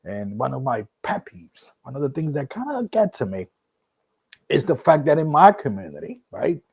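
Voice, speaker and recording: A middle-aged man from Puerto Rico whose accent mixes Puerto Rico and New York talks through his solo podcast in a casual, animated way. His voice sits at an ordinary middle pitch, and he bursts into whoops of excitement. He stumbles over repeated words as he works out what he wants to say. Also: normal speed, vocal fry, husky. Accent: Puerto Rican and New York mix. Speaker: podcast host.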